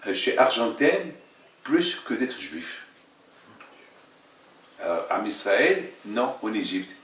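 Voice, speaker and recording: Halting, emphatic man teaching in an echoey room. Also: on the low side, very animated, a bit bright. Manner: repeats phrases, halting, emphatic. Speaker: religious teacher, rabbi leading a class. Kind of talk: informal religious lesson with questions. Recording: echoey room, mic at a distance.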